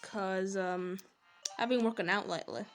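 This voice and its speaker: A woman talking casually over her gameplay as a gaming channel host, chatty and rambling, quick to laugh and exclaim. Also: medium pitch, slight background noise.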